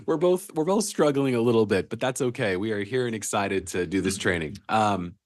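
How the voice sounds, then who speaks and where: A man's voice: lowish voice, normal speed, dry recording, studio quality. Congested man with a cracking voice. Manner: upbeat, conversational, frequent "you know" and "um". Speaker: co-host and CRM trainer. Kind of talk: casual online training session.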